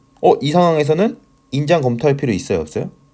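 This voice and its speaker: Fairly high in pitch yet dark and mellow in tone, a man speaks at a fairly quick pace with lively intonation and vocal fry. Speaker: structural engineering instructor. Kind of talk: lecture. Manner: conversational, frequent rhetorical questions.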